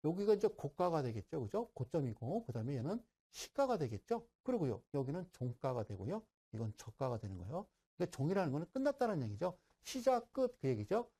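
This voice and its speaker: A man's voice: a little high, very animated, fairly quick, few pauses, mellow, slightly rough. A middle-aged man giving a broadcast stock-investing lecture, who keeps asking listeners "right?" and teases them.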